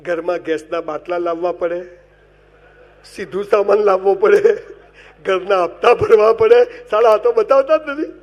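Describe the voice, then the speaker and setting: A man delivers a humorous motivational talk in a notably high voice. He tells stories with big swings from loud to soft and turns to the audience to give them advice. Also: moderate pace, dull audio. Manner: animated comic storytelling with wide swings in loudness; addresses the audience directly and gives advice. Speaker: motivational speaker.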